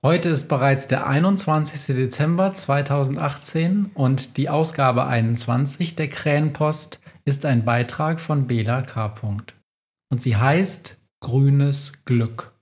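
A man hosting and narrating a children's story in a calm, measured reading voice. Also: medium pitch. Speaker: storyteller and podcast host.

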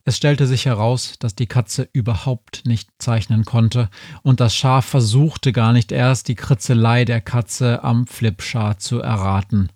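A man reading a humorous story aloud, lively, putting voices to the characters. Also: medium pitch, unhurried, no room sound, clean studio sound. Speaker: narrator.

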